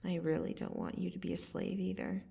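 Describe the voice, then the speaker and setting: A woman playing a menacing yet softening vampire assassin in an ASMR roleplay, intimate and deliberate, often slipping into a breathy whisper. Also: lowish voice, sing-song, distant mic, full character voice. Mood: softening, earnest. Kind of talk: ASMR roleplay, scripted dramatic monologue.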